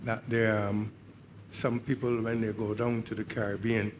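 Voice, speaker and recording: Older man, audience member at a public consultation, low voice, halting delivery, faint room hum. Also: flat delivery. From Barbados. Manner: hesitant, many fillers. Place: community meeting hall.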